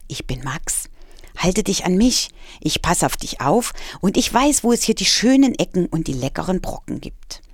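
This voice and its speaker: Woman doing a soft, low little black tomcat. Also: big pitch swings, normal speed, no room sound, clean studio sound. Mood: kind. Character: small gentle black tomcat.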